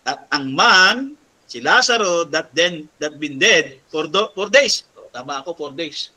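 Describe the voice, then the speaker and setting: A man's voice: fairly high pitch, animated, unhurried, sharp tone. A man preaching a sermon, who quotes English passages and keeps asking his listeners "di ba?". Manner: mixes Tagalog with English quotes, asks "di ba?" often. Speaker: pastor.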